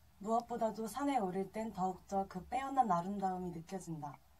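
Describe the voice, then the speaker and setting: A woman speaks at a moderate pace in a medium pitch. Her voice is somewhat breathy. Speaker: drama student. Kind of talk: reading passage aloud. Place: studio. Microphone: camera far.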